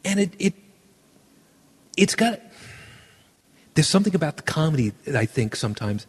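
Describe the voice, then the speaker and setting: A man hosting a casual podcast chat, talking with animated enthusiasm and frequent restarts. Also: on the high side, moderate pace, husky, long reverb tail. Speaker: podcast host.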